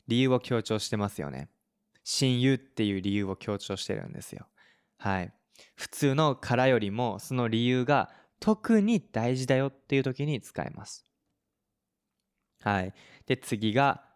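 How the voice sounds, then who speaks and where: Smooth-voiced man teaching casually. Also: mid-range voice. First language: Japanese. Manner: relaxed, mixes in English examples. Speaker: Japanese teacher, podcast host. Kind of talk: casual explanatory lesson.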